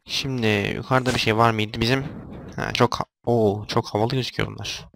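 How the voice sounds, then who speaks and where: A man's voice: on the low side, flat delivery, a little fast, creaky, fairly bright tone, slight background noise. Exasperated young man commenting gameplay. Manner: exasperated, talks to game machines, frequent outbursts. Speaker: gameplay video host.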